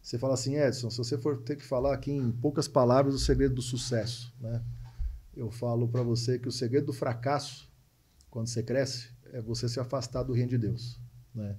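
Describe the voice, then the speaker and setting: A Brazilian man in his forties with a São Paulo coastal accent talks as a podcast guest. His voice is mid-pitched, soft-edged and husky. He tells his story conversationally, doubling words for emphasis and tagging phrases for agreement. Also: fairly even intonation, brisk. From Santos, coastal São Paulo, Brazil. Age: 40s. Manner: emphatic repetitions and frequent tag questions seeking agreement. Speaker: podcast guest, entrepreneur and speaker.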